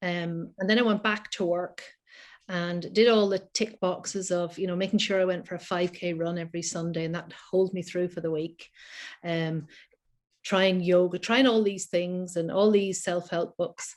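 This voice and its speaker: A woman talks at a moderate pace in an Irish accent, her intonation flat and monotone. The background is quiet. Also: fairly low pitch for a woman. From Ireland. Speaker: healthcare worker and coach. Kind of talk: personal testimony. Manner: hesitant, many fillers.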